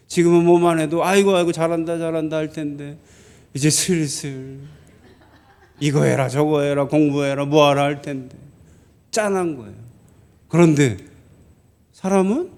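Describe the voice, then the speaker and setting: A man's voice: fairly high pitch, mellow. A male pastor preaching a sermon in a church, conversational and full of questions to the congregation. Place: church sanctuary.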